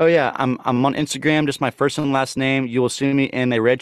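In a dry, close recording with no echo, a man with an American accent speaks at a medium pitch in a monotone, flat intonation. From Houston, Texas. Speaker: singer-songwriter. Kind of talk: interview.

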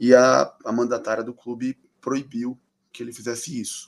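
A man talks at a moderate pace and a medium pitch. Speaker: football supporter and author. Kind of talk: casual chat.

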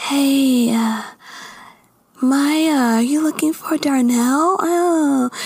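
Using a put-on character voice, a female-sounding speaker talks at a high pitch and a very slow pace, with long, frequent pauses. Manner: extra fake-nice.

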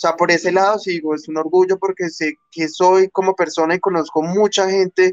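A man speaks at a fairly quick pace with fairly even intonation. His is an unremarkable speaking voice, with a dry, close sound and no echo. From Bogotá, Colombia. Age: 20s. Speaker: ballroom dancer. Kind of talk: panel discussion.

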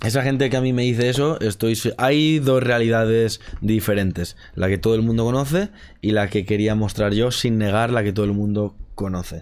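A man with a plain, everyday voice talks at a medium pitch and moderate pace, with ordinary pitch variation and very even loudness. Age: 20s. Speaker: travel documentary YouTuber. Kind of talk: casual podcast conversation.

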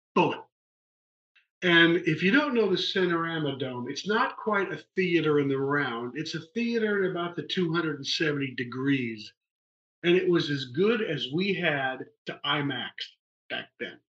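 A man with a high pitch talks at a fairly slow pace, his intonation lively. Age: 60s. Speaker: automotive journalist and author. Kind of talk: casual interview. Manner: jokey.

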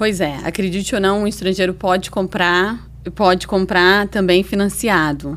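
A woman talks at a moderate pace with a medium pitch. Her intonation stays fairly even. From Brazil, Juiz de Fora, Minas Gerais. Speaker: real estate agent. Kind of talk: interview. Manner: halting, with fillers and English words.

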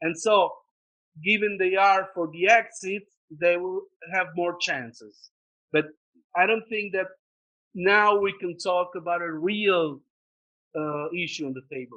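A man's high, raised and projected voice in an Italian accent, bright and sharp in tone, fairly slow, with long, frequent pauses. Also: ordinary pitch variation. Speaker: interview guest. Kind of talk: interview. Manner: halting.

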